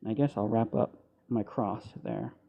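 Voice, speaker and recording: A man's voice: fairly low pitch, sing-song, normal speed, creaky. Man debating over a muffled call mic. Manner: argumentative, with frequent ums and restarts. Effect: muffled remote call mic, sounds underwater. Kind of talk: live online debate, cross-examination. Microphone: phone or headset on a call. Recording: muffled, dull lo-fi call audio.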